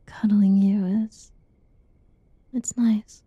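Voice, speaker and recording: A young woman doing a whispered ASMR roleplay in a soft, teasing whisper, recorded close and dull. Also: medium pitch, little pitch movement, extremely slow, slightly rough, dry recording.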